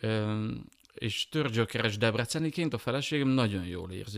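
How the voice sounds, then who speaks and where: Here a man talks at a fairly quick pace and a medium pitch in an unremarkable speaking voice. The recording is very clean, with a silent background. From Transcarpathia, Ukraine (Berehove area, Hungarian minority). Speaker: Reformed pastor. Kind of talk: casual interview.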